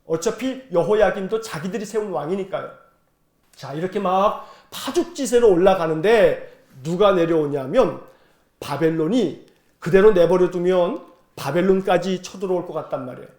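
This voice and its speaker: A man's voice: sits high, expressive, moderate pace, darkish tone. A male pastor preaching a sermon, explaining a story and asking the congregation rhetorical questions. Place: church sanctuary. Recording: roomy church sanctuary echo.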